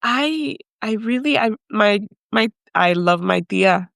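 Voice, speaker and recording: A woman's voice: medium pitch, lively intonation, a little slow, creaky, a bit bright, no room sound, studio quality. A woman telling her personal story as a podcast guest, speaking hesitantly and with feeling, slipping in phrases. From raised in the United States by Mexican parents. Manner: hesitant, emotional, mixes in Spanish phrases.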